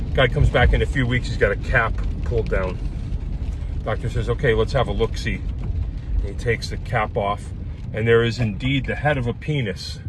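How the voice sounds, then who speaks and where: A man sits in a car telling doctor jokes. His voice is on the low side and his delivery is loose and halting, full of restarts. Road and engine noise runs clearly under him. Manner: casual, halting, many restarts. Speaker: comedian. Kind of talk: joke telling.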